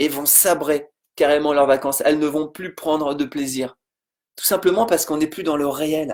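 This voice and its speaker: Moving at a moderate pace, a man with a plain, everyday voice speaks at a fairly high pitch. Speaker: life coach. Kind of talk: live stream Q&A and motivational talk. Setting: live video stream from home during lockdown.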